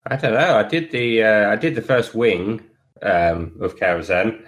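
A man co-hosting a casual podcast, dry and deadpan in his quips. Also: lowish voice, normal speed. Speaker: podcast co-host.

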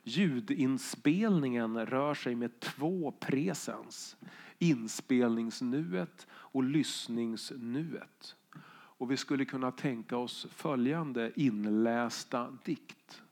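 A man giving a reflective, measured spoken lecture, reading out quotes along the way. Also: mid-range voice, darkish tone.

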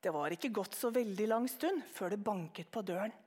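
A woman narrating a children's story in a calm, even manner. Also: medium pitch.

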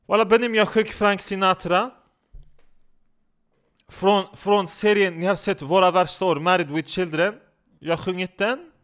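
A man voicing a brash, excitable comedian who speaks loud, broken Swedish. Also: high-pitched, long pauses, clear, resonant tone, voice pushed up. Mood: proud. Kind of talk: comedy podcast sketch.

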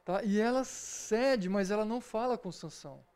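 A man with a Brazilian Portuguese accent explains scripture in a relaxed Bible study. His voice sits high for a man. He talks conversationally and keeps checking in with his audience. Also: moderate pace, clean tone. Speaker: Bible teacher. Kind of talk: informal Bible study lesson.

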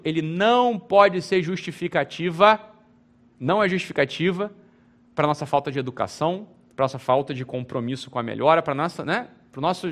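Emphatic Brazilian man, fairly high voice. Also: sharp tone. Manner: emphatic, keeps asking rhetorical questions; repeats phrases, restarts. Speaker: teacher. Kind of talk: informal spoken lecture.

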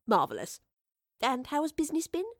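Female professor-adventurer, voiced by a woman narrator, storybook. Brisk, cheerful, affectionate, politely old-fashioned. Dry. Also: high-pitched, huge pitch swings, no room sound, pitched above the performer's own voice, heavily acted. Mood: confident.

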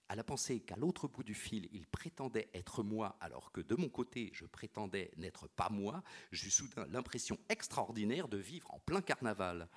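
A male audiobook narrator telling a first-person novel in a measured, wry way. His voice sits very low and carries a husky, breathy texture. The delivery stays steady and literary throughout.

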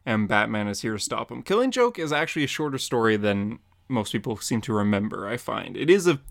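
A man's voice: lowish voice, big pitch swings, brisk, gravelly. A young man co-hosting a podcast, chatting casually and narrating comic book scenes.

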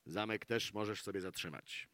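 A man's voice: fairly low pitch, normal speed, heavy background noise, lightly acted. A man voicing a huge fairy-tale giant in a terse, commanding, solemn manner. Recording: live concert with loud music.

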